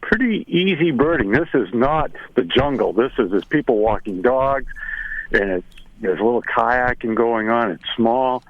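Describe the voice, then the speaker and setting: A man's voice: mid-range voice, lively intonation, normal speed, no echo, phone-quality sound. A middle-aged or older man giving a chatty, folksy, casual birding report for radio by phone from inside a car. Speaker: birding correspondent.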